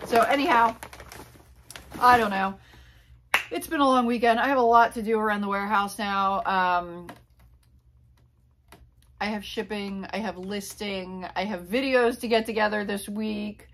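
Speaking at a measured pace with frequent pauses, a woman in her forties from Pennsylvania, USA, gives a casual haul chat to camera about flea market finds, rambling with many fillers and asides. Her mid-range voice holds a steady, fairly bright tone. She's a reseller vlogger in a small indoor room, captured by a tripod camera a few feet away.

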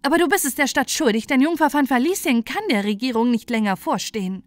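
A woman's voice: high voice, fast talker, no room sound, voice pushed up, lightly acted. A woman voicing a sly, wicked queen in a fairy tale, insistent and persuasive. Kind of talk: storybook character voice.

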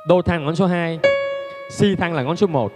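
A man's voice: on the high side, normal speed. A man giving a casual piano lesson, chatty and joking, laughing at himself between fingering steps. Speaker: piano teacher. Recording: long reverb, loud piano music.

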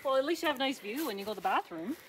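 A woman tossing off quick, joking remarks at a campsite, her pitch bouncing around a lot as she talks. She is picked up from a distance, with clear outdoor noise around her. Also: lively intonation. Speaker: camping friend. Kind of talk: casual banter.

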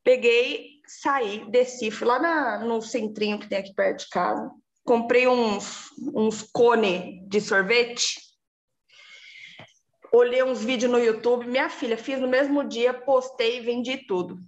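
A woman, giving a lively casual testimonial and acting out her own past words. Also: a little high, measured pace, muffled recording.

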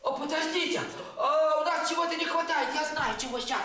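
A man playing an excitable, childlike clown from another planet on a children's TV show, squeaky and exclamatory, eagerly repeating himself. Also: brisk, noisy background. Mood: cheerful, eager. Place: indoor children's TV studio set. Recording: echoey TV studio.

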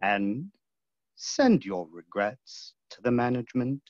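An actor playing a menacing opera ghost in a staged reading, slow, deliberate, commanding and sly. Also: male voice, medium pitch, big pitch swings, dry recording. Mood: cold control. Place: remote video call. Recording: dull, dry video-call audio.

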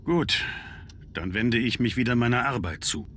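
A man's voice: mid-range voice, animated, moderate pace, a bit bright, natural voice. An actor playing a pragmatic, formal man who works at a manor, in a video game, matter-of-fact in delivery. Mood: resigned. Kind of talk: scripted video game acting.

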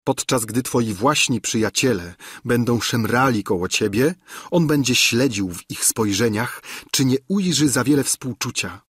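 Husky pleading heartbroken young woman from a classic novel, a guy reading her lines, dry close sound. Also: medium pitch, expressive, measured pace, a bit bright, no room sound. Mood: despairing. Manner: impassioned, declamatory pleading. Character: despairing young woman in love, pleading and bitter.

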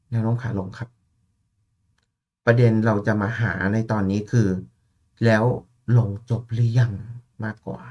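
A man's voice: lowish voice, a little mellow. Chatty man talking through trading charts. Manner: chatty, calls listeners "พี่" and "น้อง", thinks aloud. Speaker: gold market analyst. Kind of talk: casual chart analysis talk.

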